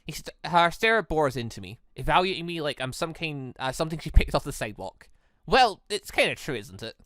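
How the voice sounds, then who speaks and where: A man's voice: fairly high pitch, very animated, brisk, fairly bright tone, dry recording, studio quality. A man voicing a cheeky, harmless young man, the flippant and wry hero of a visual novel.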